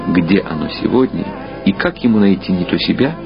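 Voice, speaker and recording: A man's voice: sits low, lively intonation, brisk, gravelly. A man reading scripted literary narration as the narrator of an audio drama. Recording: dull lo-fi sound under loud music. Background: loud music.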